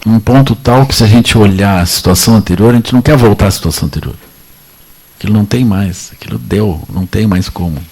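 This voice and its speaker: A deep-voiced man with a Brazilian Portuguese accent teaches Buddhism to an audience, loose and joking. His voice is low and slightly husky. He keeps coming back to short tag phrases between his points. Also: fast. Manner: relaxed, joking, repeats "é assim, né". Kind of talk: dharma talk to an audience. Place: lecture at a meditation center.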